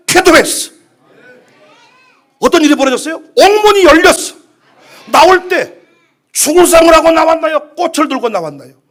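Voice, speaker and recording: A male pastor preaching a sermon at a church prayer meeting, swinging from hushed asides to impassioned shouts. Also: very high voice.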